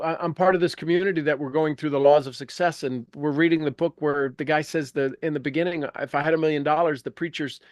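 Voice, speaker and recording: A man's voice: a little high, no room sound. A man hosting an informal motivational group coaching talk, emphatic and fond of repeating phrases for effect. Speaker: host and coach leading a group call.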